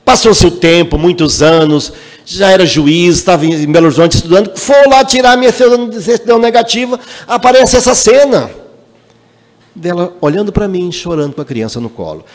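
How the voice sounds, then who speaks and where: At a spiritist center's meeting hall, where the sound carries a long reverb, a man from Minas Gerais, Brazil, delivers a spiritual lecture full of personal anecdotes. His high-pitched voice moves a little fast, and he tells his stories with lively, emphatic animation.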